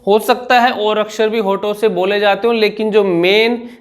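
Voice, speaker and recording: A man, a speech coach giving an instructional vlog, patiently explaining and demonstrating sounds by repeating syllables slowly. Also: sits high, fairly even intonation. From India.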